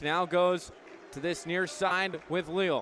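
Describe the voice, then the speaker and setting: Over noticeable background noise, a man with an American accent talks in a high voice with fairly even intonation. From Illinois, USA. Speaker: sports play-by-play broadcaster. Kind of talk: radio basketball play-by-play. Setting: radio broadcast.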